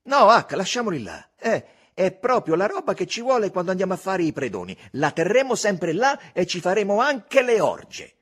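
A man voicing a bold adventurous boy who talks eagerly and exclaims a lot, with a slightly husky voice. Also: high-pitched, very animated, normal speed, few pauses, fairly bright tone, voice pushed up, full character voice.

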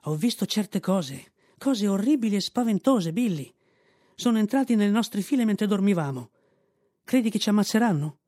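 A man's voice: sits high, lively intonation, normal speed, dark tone, no echo, clean studio sound, pitched above the performer's own voice. A man voicing a young, panicky recruit mule who calls out shrilly and breathlessly in a storybook reading. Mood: frightened.

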